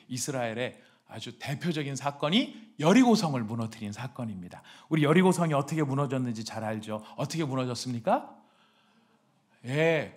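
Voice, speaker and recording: Korean man preaching, rising to shouts. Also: fairly high pitch. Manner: preaches with call-and-response questions and emphatic shouted scripture; reads scripture slowly and loudly. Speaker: pastor. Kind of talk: sermon.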